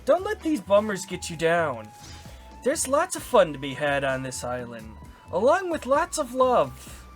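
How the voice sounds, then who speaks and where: A man voicing a flirtatious woman who speaks slow, low and suggestive. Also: huge pitch swings, soft background music, heavily acted. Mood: flirty.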